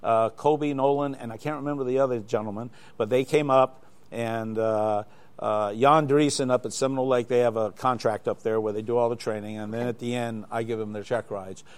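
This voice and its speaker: A man's voice: medium pitch, fairly even intonation, brisk, clear, resonant tone. Older guy telling long stories on a live studio show, keeps restarting, ordinary voice. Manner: rambling storyteller with many restarts. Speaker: interview guest, glider flight examiner.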